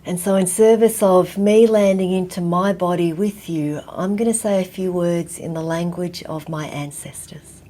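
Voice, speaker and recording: A woman from Vietnam, raised in Australia, giving a slow, reflective talk and often dropping to a near whisper. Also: on the low side, steady tone, warm tone. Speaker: guest teacher.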